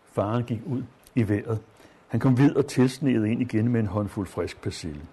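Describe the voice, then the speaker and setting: A man reads a story aloud at a calm, measured pace and stops now and then to explain it. His voice is mellow and dark, with a slightly husky grain. His comments come with small hesitant fillers. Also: medium pitch. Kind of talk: literary reading with commentary.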